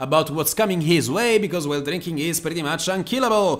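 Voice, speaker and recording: This man talks at a very fast pace with an Italian accent. His intonation is lively. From Italy. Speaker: gaming video creator. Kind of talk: video game intro to camera.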